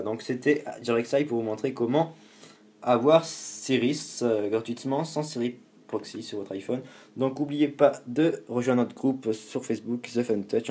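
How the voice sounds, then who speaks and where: A man's voice: mid-range voice, darkish tone, husky. A man from France hosting a casual tech tutorial, rambling and correcting himself, with the odd swear word. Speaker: tutorial host.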